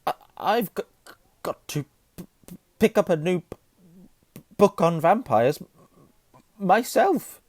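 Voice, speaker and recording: A man's voice: high-pitched, expressive, a little slow, long pauses, a little mellow, voice pushed up. A man voicing a pale, terrified young male professor with a heavy nervous stammer in a storybook reading. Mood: nervous, flustered.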